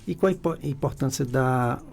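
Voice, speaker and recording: A man hosting a radio interview, speaking in a measured, formal, announcer-like way from a radio studio. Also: mid-range voice, vocal fry, faint music behind.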